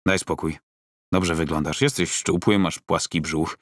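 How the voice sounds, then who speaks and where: A man voicing a blunt, weary middle-aged fight trainer in an audiobook, curt and gruff. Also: sits low, steady tone, a little slow, a bit bright, no room sound, clean studio sound. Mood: brisk, curt.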